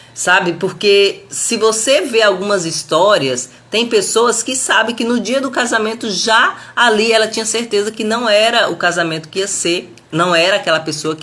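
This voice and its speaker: Over noticeable background noise, a woman speaks at a moderate pace in a medium pitch with lively intonation. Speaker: book study presenter. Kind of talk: book reading with commentary. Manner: casual, conversational.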